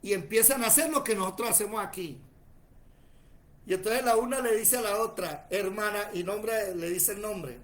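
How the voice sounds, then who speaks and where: Animated preacher in his forties. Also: high-pitched, moderate pace. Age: 40s. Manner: animated, tells stories acting out other voices. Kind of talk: sermon with personal stories. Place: church.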